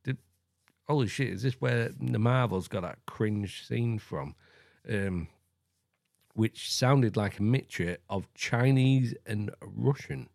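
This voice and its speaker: A man's voice: lowish voice, slow, gravelly, darkish tone, no room sound, clean studio sound. A man hosting a podcast, reading an account aloud and breaking in with blunt, swearing asides. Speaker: podcast host. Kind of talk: casual reading with commentary.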